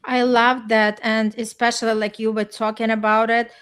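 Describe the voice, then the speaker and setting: A woman's voice: a little high, level tone, moderate pace, fairly bright tone, smooth. A middle-aged woman from Ukraine with an Eastern European accent, telling personal stories in an effusive, chatty way on a podcast. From small town in Ukraine, former Soviet Union. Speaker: podcast host and life coach. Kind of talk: casual personal storytelling in conversation.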